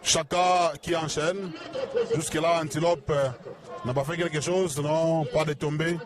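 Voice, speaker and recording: A man giving excited live play-by-play of a wrestling match outdoors, asking himself rhetorical questions. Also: fairly high pitch, measured pace. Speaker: wrestling commentator. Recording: crowd noise behind. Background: cheering crowd.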